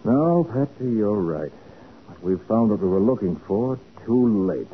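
A brisk male private detective in a 1940s radio crime drama. His low voice moves in lively swings of pitch, and the noisy old recording is narrow and phone-like. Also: over loud music. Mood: brisk, determined. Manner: brisk, questioning.

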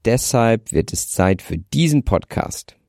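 A man's voice: medium pitch, expressive, creaky, darkish tone, no echo, studio quality. A man in his twenties with a light north German accent, carefully reading a prepared script as a podcast host. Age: 20s. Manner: careful, deliberate delivery aiming for standard German. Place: in bed under a blanket. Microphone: handheld microphone.

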